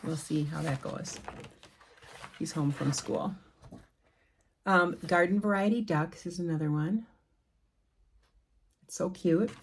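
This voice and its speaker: A woman's voice: fairly low pitch, slow pace, gravelly, long pauses, noisy background. A middle-aged woman chatting casually at home about her cross-stitch patterns, rambling with many ums and restarts. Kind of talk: casual show-and-tell chat.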